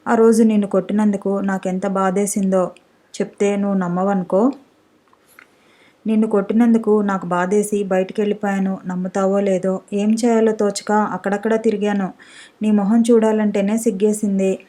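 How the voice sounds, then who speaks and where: A woman reading aloud as a quick-tempered young husband who pleads and blames himself, in a spoken storybook. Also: medium pitch, flat delivery, warm tone, lightly acted. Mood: remorseful. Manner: pleading, self-reproaching.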